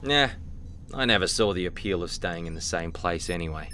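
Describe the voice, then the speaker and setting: A man's voice: low-pitched, animated, normal speed, pushed and bright, slight background noise. A man acting in an audio drama as an easygoing, cheerful starship crewman with a jokey, casual manner. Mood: breezy, eager.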